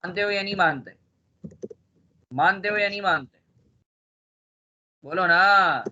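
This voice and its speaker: A man with a high, bright voice teaches accounting to a class. He has a sore throat and keeps quizzing his students with playful repeated questions. The recording sounds dull and lo-fi. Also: unhurried.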